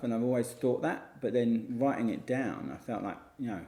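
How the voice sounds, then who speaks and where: A man's dark, mellow tone at a moderate pace. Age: 40s. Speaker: podcast guest. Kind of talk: casual interview chat. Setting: outdoors on a home deck. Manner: hesitant, many fillers.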